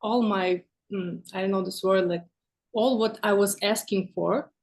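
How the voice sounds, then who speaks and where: Halting woman, non-native English speaker. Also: medium pitch, fairly even intonation, darkish tone. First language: not English. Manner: halting, searching for words. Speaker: interview guest, visual artist. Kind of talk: casual interview chat about work.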